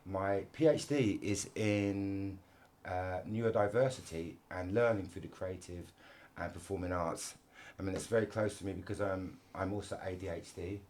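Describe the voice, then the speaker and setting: A middle-aged man from London hosts a relaxed podcast in a very low, deep voice. He talks in an animated, fidgety way, often restarting and repeating words as his thoughts run ahead. A faint ambient hum sits under the recording. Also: moderate pace. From London, England. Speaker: podcast host. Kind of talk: casual conversational podcast.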